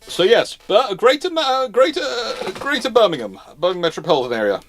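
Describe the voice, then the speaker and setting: A fast-talking man with a high, very animated, slightly bright voice answers viewer questions as host of a casual live history Q&A. He speaks emphatically, often repeating phrases for stress.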